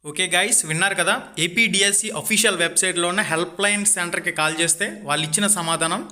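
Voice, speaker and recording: A man's voice: high-pitched, fairly even intonation, fast talker, bright, forceful tone. A man giving an informal exam news update to viewers as a channel host, in an insistent, exhorting way.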